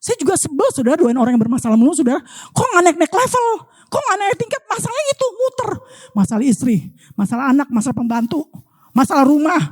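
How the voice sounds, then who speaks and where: High-voiced animated woman preacher. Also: quick pace, no room sound, studio quality. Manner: animated, addresses congregation as "Saudara" constantly. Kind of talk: sermon. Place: church.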